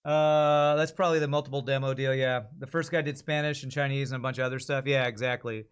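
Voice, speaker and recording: A man hosts a stream in an informal, conversational style. He thinks aloud as he talks to viewers. His voice sits at a medium pitch. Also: fairly even intonation, quick pace, clean tone. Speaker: livestream host. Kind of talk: casual chat to stream viewers.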